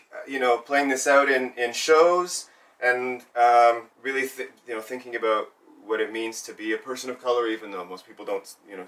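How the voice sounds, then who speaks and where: A Zambian-born burlesque and cabaret performer reflects in a documentary interview, often restarting sentences while hunting for the right words. His medium-pitched voice is bright and forceful, captured by a distant mic.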